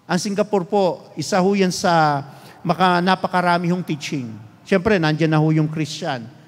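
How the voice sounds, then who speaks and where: A middle-aged Filipino man preaching a lively sermon as pastor, often asking the congregation to respond. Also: high-pitched, normal speed, long reverb tail. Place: church hall.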